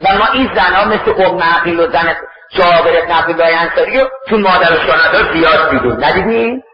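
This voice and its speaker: A male preacher with a notably high voice delivers a storytelling sermon, acting out the characters and breaking with grief. He is heard from a distance in a large, echoing space. The recording is dull and muffled.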